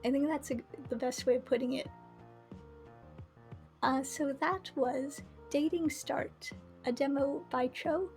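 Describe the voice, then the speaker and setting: A woman hosting a game livestream, chatting casually and thinking aloud in a musing, halting way. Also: high-pitched, steady tone, darkish tone, soft background music. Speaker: livestream host playing a visual novel. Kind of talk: casual livestream commentary and chat.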